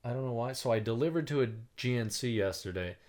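A man co-hosting a podcast in casual chat, rambling with a calm, soothing voice, swearing and saying "like" a lot. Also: medium pitch, quick pace. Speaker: podcast co-host.

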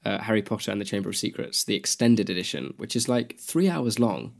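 A man's voice: on the low side, brisk, creaky. A young man, co-hosting a podcast in chatty, enthusiastic talk. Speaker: podcast co-host. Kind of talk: casual podcast chat.

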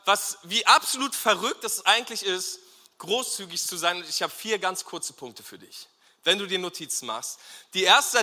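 A man preaching a lively sermon to a congregation, acting out short quoted exchanges and asking the audience to repeat words. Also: sits high, in a large hall. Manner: acts out Jesus and bystanders in quick quoted asides. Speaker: pastor.

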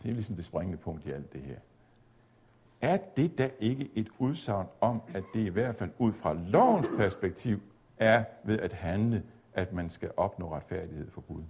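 A man giving a measured, explanatory theology lecture, at times pausing on fillers. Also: low voice, expressive, a little mellow, a little hiss or hum. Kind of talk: spoken lecture on Luther's reading of Galatians.

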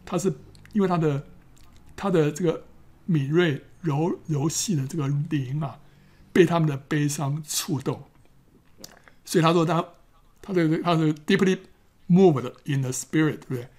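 Husky-voiced man teaching scripture. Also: on the high side, measured pace, a little mellow. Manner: conversational, trailing "ah" fillers, drops in English phrases. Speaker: Bible teacher. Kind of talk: verse-by-verse Bible teaching.

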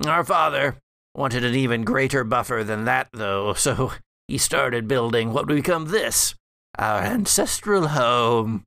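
Man voicing undead family patriarch, sardonic, theatrical, chuckling, gravelly, unhurried, horror roleplay. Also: medium pitch, animated, pushed and bright, no echo, exaggerated voice. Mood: storytelling, relishing. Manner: theatrical, drawling, chuckling between phrases. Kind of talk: in-character monologue in horror tabletop game.

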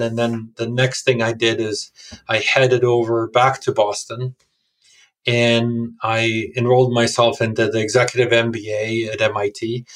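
A middle-aged man from Serbia, a company founder, telling his life story casually in an interview. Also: mid-range voice.

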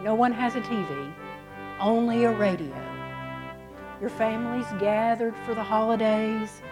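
A woman giving a scripted introduction to a radio play in a measured storytelling manner. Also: a little high. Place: stage in front of a live audience. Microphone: stage microphone. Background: brass music.

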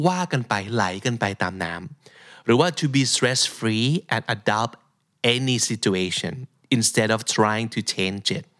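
A man hosting a casual language lesson, explaining phrases in a relaxed, polite way and often checking in with listeners. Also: fairly low pitch. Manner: mixes English phrases into explanations, asks listeners rhetorical check-in questions. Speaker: language teacher and podcast host.

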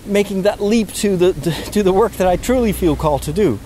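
Guy with a sore throat rambling outside in a park, stops and restarts a lot, kinda higher voice but soft and mellow, faint noise behind. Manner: halting, many restarts and fillers, frustrated. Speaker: podcast host. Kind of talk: casual spoken reflection, walking outdoors. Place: outdoors in a park near road works.

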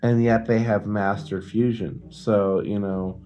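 Low-pitched man chatting casually. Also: fairly even intonation, takes it slowly, mellow. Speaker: podcast co-host. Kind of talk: casual chat.

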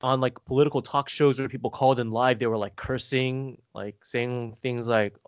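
A man's voice: medium pitch, fairly even intonation, moderate pace, smooth, no room sound. Rambling man, dry close sound. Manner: rambling, hesitant, frequent filler "like". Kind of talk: casual conversation.

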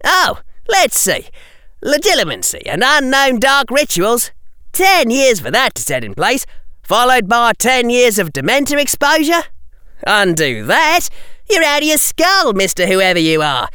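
Sharp sardonic storybook witch, read by a man, high, loud, lively, crisp. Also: measured pace, no room sound, studio quality, full character voice. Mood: sharp, brusque. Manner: brusque and sardonic. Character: sharp-tongued, mercenary woman healer witch.

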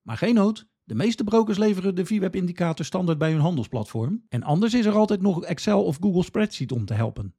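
Husky man, lively podcast host. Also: high voice, brisk, few pauses. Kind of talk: scripted explanatory podcast narration.

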